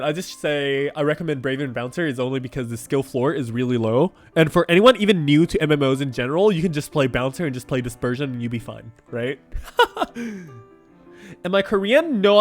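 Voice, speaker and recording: A young man runs a game livestream, chatting casually and answering viewers' questions. His high voice swings all over the place, and he sounds animated, laughs readily, and says "like" a lot. Soft music plays faintly beneath him.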